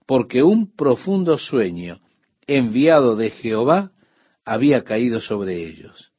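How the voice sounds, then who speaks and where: A man's voice: mid-range voice, breathy edge, dry recording, muffled recording. A man teaching the Bible verse by verse, explaining to the listener directly.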